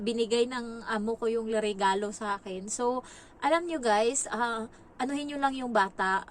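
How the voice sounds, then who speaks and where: A woman from the Philippines, a domestic helper, casually telling a story in a vlog and turning higher and louder when she quotes people. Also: a little hiss or hum. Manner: animated retelling, jumps higher and louder when quoting others.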